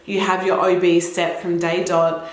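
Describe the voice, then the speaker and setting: A woman's voice: fairly low pitch, flat delivery, measured pace. A young Australian woman chatting casually to camera at home, a little throaty from a cold, rambling and laughing often. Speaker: vlogger. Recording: echoey room.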